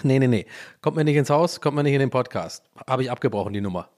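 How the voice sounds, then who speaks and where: A man's voice: mid-range voice, lively intonation, fast, a little mellow. A man hosting a solo podcast alone at a home microphone, joking at his own expense, losing his thread and restarting, with a German accent. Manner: jokey, self-mocking, loses his thread and restarts. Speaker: podcast host. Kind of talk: rambling solo podcast monologue.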